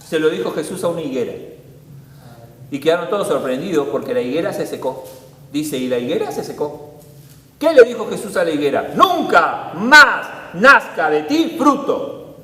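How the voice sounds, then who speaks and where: A man with a Rioplatense accent preaching a sermon in a church hall, animated and acting out scenes with little voices. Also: fairly high pitch, fairly quick, pauses often, distant mic. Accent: Rioplatense Spanish. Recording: echoey hall, long reverb.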